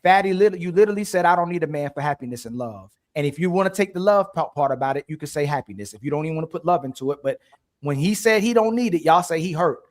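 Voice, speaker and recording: High-voiced guy, fast, arguing, keeps cutting in and repeating stuff. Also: animated. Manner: interrupts, repeats phrases to hold the floor. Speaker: podcast host. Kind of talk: heated debate.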